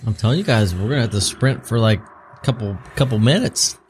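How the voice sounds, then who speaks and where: A man's voice: mid-range voice, animated, brisk, a little hiss or hum. A man playing in a tabletop game, chatting casually and joking with the group. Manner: easygoing, joking. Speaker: player.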